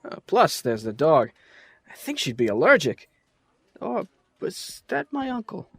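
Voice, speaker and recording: A man's voice: on the high side, huge pitch swings, unhurried, vocal fry, a bit bright, husky, no echo, heavily acted. An actor playing a young police officer who banters and jokes around with his colleagues. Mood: casual. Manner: playful, mock-archaic jokes.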